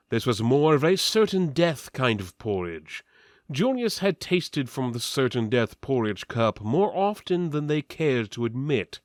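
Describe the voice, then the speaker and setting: This man performs a straight-faced, theatrical narration of fantasy fiction, a mock-serious dramatic reading in which absurd lines get a deadpan delivery. He speaks at medium pitch, recorded in studio quality without echo.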